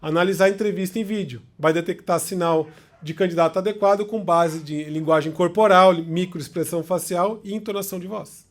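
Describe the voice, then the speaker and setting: A man's voice: high voice, steady tone, brisk. A man with a Brazilian Portuguese accent giving an informal explanatory talk as a lecturer, conversational and often checking in with his listeners. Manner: conversational, checks in with short tag questions.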